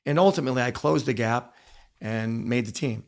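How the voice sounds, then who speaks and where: A man with a creaky, gravelly voice tells candid stories as an interview guest. He is emphatic and often repeats a phrase to drive it home. His pitch sits in an ordinary middle range. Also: moderate pace. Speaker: interview guest, former wrestler and coach. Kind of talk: candid storytelling in a podcast interview.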